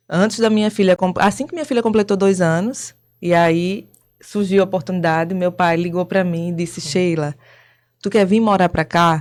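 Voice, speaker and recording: A woman talks at a moderate pace in a normal speaking voice, with medium pitch and ordinary pitch variation. The recording is very clean, with a silent background. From Pernambuco, Brazil. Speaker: businesswoman. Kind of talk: podcast interview.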